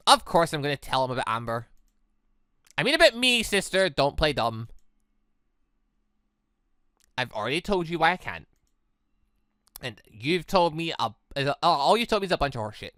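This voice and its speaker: Reading visual novel dialogue aloud, a let's play host rambles casually, restating and reshaping his thoughts as they come. The recording is dry with clean studio sound, his pitch is medium, and game music plays behind him.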